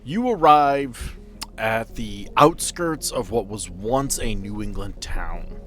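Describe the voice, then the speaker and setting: A man narrating an improvised tabletop horror game as game master, with theatrical storytelling and dramatic pauses. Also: on the low side, animated, fairly bright tone, soft background music. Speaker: game master, podcast host.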